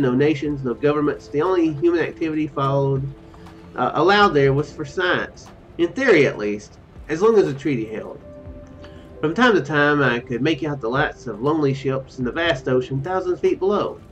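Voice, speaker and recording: A man's voice: fairly high pitch, animated, moderate pace. A man in his thirties reading game text aloud as a streamer, breaking off for musing, self-correcting commentary. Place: small room at home, indoors. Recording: dull lo-fi mic, music behind. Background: game music.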